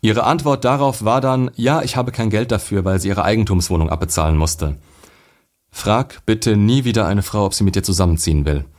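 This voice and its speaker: Blunt low-voiced man lecturing. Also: brisk, darkish tone. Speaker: dating coach reading and commenting on a viewer's letter. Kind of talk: reading a letter aloud with blunt commentary.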